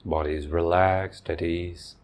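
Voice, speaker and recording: Speaking as a teacher, a man guides a meditation in gentle, short phrases separated by long pauses. His voice is low-pitched and his tone stays steady.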